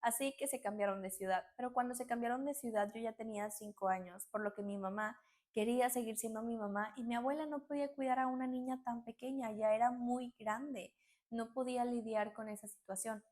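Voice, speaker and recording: A woman narrating a personal story in an animated way, acting out quotes. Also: fairly high pitch, brisk. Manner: animated, acts out quotes, many fillers.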